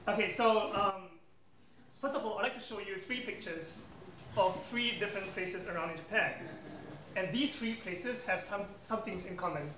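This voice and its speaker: A Singaporean man in his thirties, the guest speaker, presents to an audience in an event room, dropping many ums and friendly asides. His voice is high-pitched and moves at a normal speed. The recording has a roomy hall sound with faint noise.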